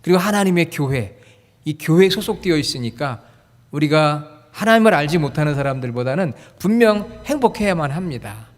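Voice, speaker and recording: A man's voice: fairly high pitch, animated, a little fast. A male pastor giving a sermon in a church, friendly and joking as he quizzes the congregation. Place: church sanctuary. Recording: long hall reverb.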